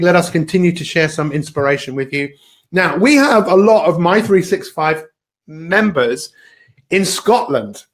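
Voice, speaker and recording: Upbeat male life-coach host, slightly high voice. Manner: upbeat, chatty, with frequent ums and uhs. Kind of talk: live online broadcast, motivational talk.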